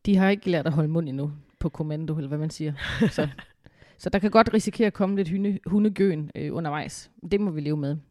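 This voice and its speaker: Her voice sits low and warm as this podcast co-host, who has a cold, rambles cheerfully through a casual chat at home in her living room, using lots of fillers. The recording is dry and studio quality.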